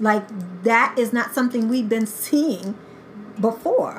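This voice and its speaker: At a fairly slow pace, a woman with a fairly high pitch speaks amid noticeable background noise. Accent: American. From US, New York (Staten Island). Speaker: psychologist. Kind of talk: interview conversation.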